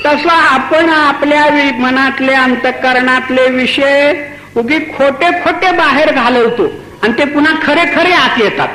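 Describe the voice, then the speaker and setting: A man preaching a devotional sermon, telling a story in an animated way and chanting refrains. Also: very high-pitched, unhurried, poor audio. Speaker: kirtan preacher.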